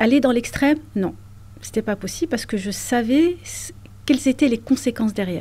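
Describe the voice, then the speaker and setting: A woman's high-pitched voice carries a dark, mellow tone and lively intonation. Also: moderate pace. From France, Montargis (Loiret). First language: Berber (Kabyle) (speaking French). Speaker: parenting coach. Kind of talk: testimony.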